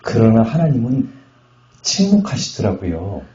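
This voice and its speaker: A middle-aged man from Chungcheong Province, a pastor giving a testimony sermon at a revival meeting, telling his story with jokes and loud bursts. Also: lowish voice, very animated, unhurried. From Chungcheong Province, Korea. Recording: echoey hall, slightly muffled sound.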